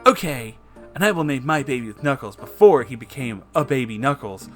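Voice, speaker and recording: A man's voice: medium pitch, animated, brisk, a bit bright, faint music behind, natural voice. A man voicing an earnest, simple-minded female cartoon bat mother in a plain way.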